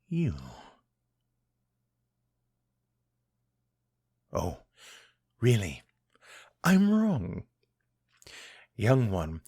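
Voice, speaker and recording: An actor playing a cruel, centuries-old vampire lord who taunts his captive, speaking in a husky, condescending way. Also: lowish voice, no room sound, studio quality, full character voice. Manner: taunting, condescending, slow and deliberate. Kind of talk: audio drama, one-sided dialogue.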